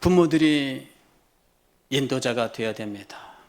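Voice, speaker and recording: A middle-aged man preaching a sermon as pastor, swinging between hushed low lines and loud, high exclamations, repeating phrases and firing rhetorical questions at the congregation. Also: lively intonation, a little slow.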